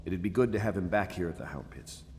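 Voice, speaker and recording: A resolute military leader in a video game. He briefs earnestly and with command in a fairly low voice, with long reverb and slight noise. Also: expressive, fast. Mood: grave, resolute. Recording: reverberant room, faint noise.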